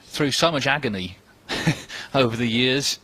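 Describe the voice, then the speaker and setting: A man's voice: medium pitch, animated, unhurried, pushed and bright, husky. A man giving live snooker commentary as a match commentator. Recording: crowd ambience and noise behind. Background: snooker arena crowd and ambience.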